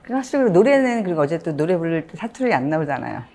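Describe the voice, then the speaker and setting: A woman's voice: deep voice, sing-song, quick pace, warm tone. A woman hosting an interview, asking short follow-up questions with attentive backchannels. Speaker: interviewer, series host.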